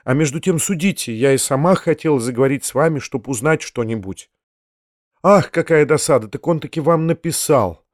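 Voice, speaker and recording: A male reader puts on a flustered young woman, pitched a little higher than his plain voice, firing off vexed exclamations. The sound is dry and close, with no room in it. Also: no room sound, close to an everyday voice. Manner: quick, exasperated exclamations.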